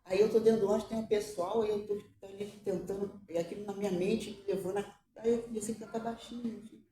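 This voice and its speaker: A mother giving an emotional religious testimony, halting and repeating her words, tearful at times. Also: mid-range voice, fairly even intonation, dark tone, reverberant, distant mic.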